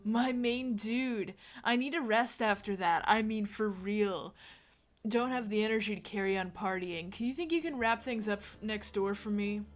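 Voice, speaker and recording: A woman's voice: medium pitch, normal speed, close to an everyday voice. Woman as a drawling, worn-out party dude. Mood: weary, mellow.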